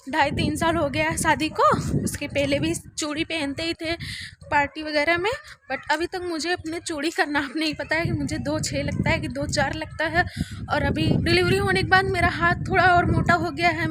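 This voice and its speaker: High-voiced chatty young woman. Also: bright, forceful tone, slight background noise. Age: young adult. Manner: chatty, laughs often while talking. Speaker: vlogger. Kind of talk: casual home vlog chat. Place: at home, indoors.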